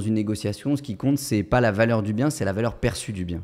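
Against a quiet background, a man speaks at a fairly quick pace with a fairly low pitch. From France. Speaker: medical student and property investor. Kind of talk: casual chat. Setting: in a private villa. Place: studio. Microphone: studio mic.

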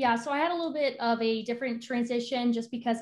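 A woman talks at a very fast pace in an American accent. The background is quiet. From New England, US. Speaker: student ambassador. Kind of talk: roundtable discussion. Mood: friendly, relaxed. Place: home room. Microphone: webcam.

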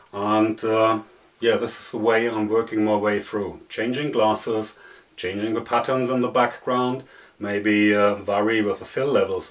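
With an unremarkable speaking voice, a man speaks at a moderate pace with a fairly low pitch and fairly even intonation. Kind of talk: tutorial. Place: home room.

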